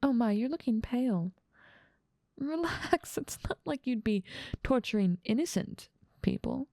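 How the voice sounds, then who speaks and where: Woman playing a creaky, teasing demon queen. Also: a little high, animated, a little slow, warm tone, no room sound, clean studio sound. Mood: teasing, commanding. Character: dominant, teasing female demon ruler of hell. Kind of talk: ASMR roleplay audio drama.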